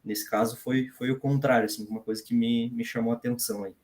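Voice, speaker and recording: A man of middle pitch with a Brazilian Portuguese accent gives his view in a study group discussion. He pauses often, fills gaps and leans on tag questions as he thinks aloud. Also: steady tone, darkish tone. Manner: hesitant, with many fillers and tag questions. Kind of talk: discussion comment.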